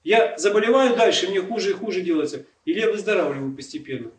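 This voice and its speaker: A man's voice: high voice, fast talker. A man preaching a sermon, explaining earnestly and asking rhetorical questions. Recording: echoey room, distant mic, faint noise.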